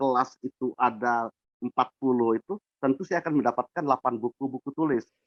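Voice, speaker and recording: A man talks fairly quickly in a normal speaking voice, medium in pitch, with ordinary pitch variation. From Indonesia, Lampung (Tanjung Karang). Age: 60s. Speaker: poet. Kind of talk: interview.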